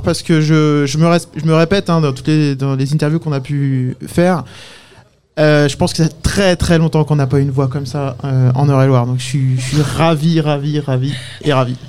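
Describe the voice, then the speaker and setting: A man organizing a festival, talking enthusiastically on radio in quick bursts. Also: on the high side, darkish tone, clean tone. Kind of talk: radio interview.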